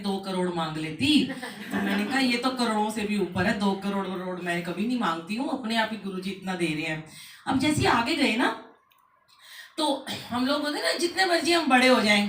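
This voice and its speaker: A middle-aged woman leading a devotional satsang, telling lively anecdotes and acting out what people said. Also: medium pitch, slight background noise. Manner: lively anecdotal storytelling with acted quotes. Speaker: satsang speaker. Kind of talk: devotional storytelling talk. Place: a home satsang gathering indoors. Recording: echoey room from far off.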